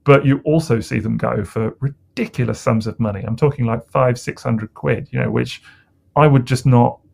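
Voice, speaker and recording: Gravelly man, rambling chat. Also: mid-range voice, normal speed, a little mellow. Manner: rambling, hesitant, lots of fillers. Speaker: podcast co-host. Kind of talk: casual chat.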